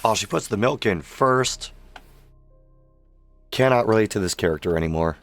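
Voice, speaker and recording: A man with a very low, worn voice gives live game commentary. He is wry and mocking, sounding sick and tired from streaming, with faint music behind him. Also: expressive, moderate pace. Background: game audio and music.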